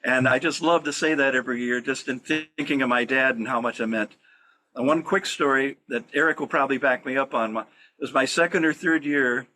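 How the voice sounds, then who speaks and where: Bright-voiced man telling a story. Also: medium pitch, rough recording. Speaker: community radio play actor. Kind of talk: podcast storytelling.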